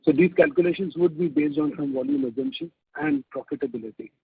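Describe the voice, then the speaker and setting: A man's voice: fairly high pitch, big pitch swings, fast talker, vocal fry, husky, dry recording. A man, an analyst pressing management with persistent questions on an earnings call. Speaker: financial analyst. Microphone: phone. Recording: tinny phone line.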